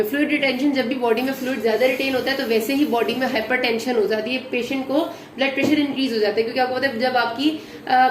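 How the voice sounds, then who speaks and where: High-voiced woman, patient medical lecturer, echoey room with faint hiss. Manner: patient, repeats key points with "ठीक है" checks. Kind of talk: explanatory lecture.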